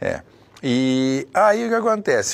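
A man speaks with very wide pitch swings. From Indaiatuba, São Paulo state, Brazil; São Paulo state, Brazil. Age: 60s. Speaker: lawyer and precast slab business owner; lawyer. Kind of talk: TV interview. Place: studio. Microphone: lapel.

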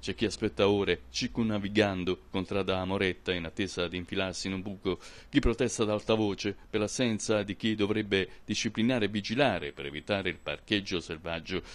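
A man speaks in a plain, everyday voice with ordinary pitch variation, on a very clean recording with a silent background. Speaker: local TV reporter. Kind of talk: news report voiceover.

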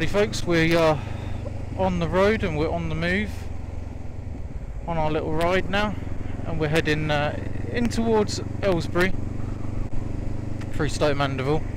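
A man talks at a moderate pace with very wide pitch swings and long, frequent pauses, his dry voice free of echo against noticeable background noise. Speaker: motorbike vlogger. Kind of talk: casual vlog chat. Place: motorbike. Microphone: helmet.

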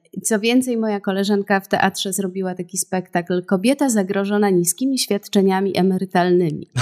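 Against a quiet background, a woman talks at a fairly quick pace with hardly any pauses. Her intonation stays fairly even. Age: 30s. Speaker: creative writing trainer and theatre professional, business owner; creative writing trainer. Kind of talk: interview conversation. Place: home room. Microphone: earbuds.

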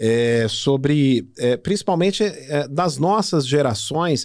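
Against a quiet background, a man's intonation is lively. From Minas Gerais, Brazil. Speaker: podcast host. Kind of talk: interview conversation. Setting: studio. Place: studio. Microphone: studio mic.

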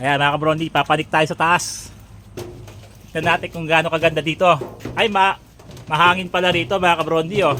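Speaking at a fairly quick pace, a man uses a fairly high pitch. His speech has long, frequent pauses. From Caloocan, Metro Manila, Philippines. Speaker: vlogger. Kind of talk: casual vlog chat. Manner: animated.

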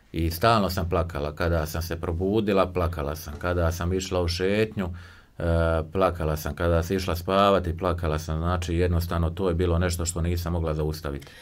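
Audible room echo surrounds a fairly quick delivery with monotone, flat intonation. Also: man, very deep, low pitch for a man. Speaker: radio host and interpreter. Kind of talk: consecutive interpreting of testimony. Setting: studio.

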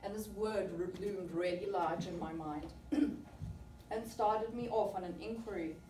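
Through audible room echo and light background noise, a woman speaks with ordinary pitch variation. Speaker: speaker. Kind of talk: prepared speech. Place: meeting room. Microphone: camera far.

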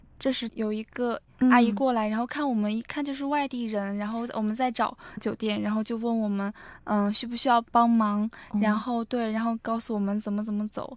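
At a fairly quick pace, a woman with a fairly high pitch speaks in a monotone, flat intonation. The sound is dry with no echo. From northern mainland China. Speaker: exchange student; radio guest. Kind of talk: interview. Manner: hesitant, many fillers. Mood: friendly, relaxed. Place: studio. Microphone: studio mic.

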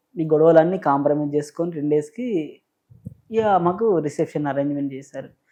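This man's pitch sits fairly high, with a dark, mellow tone and ordinary pitch variation. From Telangana, Karimnagar district. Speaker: widower. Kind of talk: emotional interview.

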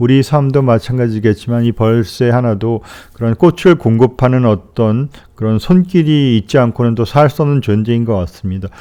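A man speaks in a calm, dark and mellow tone at a medium pitch. His pace is moderate, with ordinary pitch variation. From South Korea. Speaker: nature video creator. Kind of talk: narrated nature video commentary. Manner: calm, conversational.

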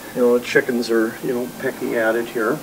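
Music plays in the background as a man talks fairly quickly. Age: 60s. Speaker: TV repairman and found-object artist. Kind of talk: interview answer. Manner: hesitant, casual. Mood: relaxed, amused. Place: workshop.

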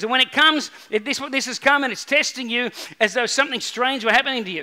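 A man projects his voice loudly at an extremely high pitch. His tone is bright and sharp. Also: quiet background. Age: 50s. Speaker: pastor. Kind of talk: sermon. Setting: church. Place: church. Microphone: headset.

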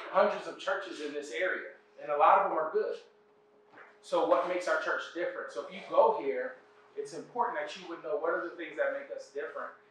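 A man speaks at a fairly quick pace with big swings in loudness. Audible room echo and light background noise fill the recording. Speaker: pastor. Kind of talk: sermon. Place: hall.

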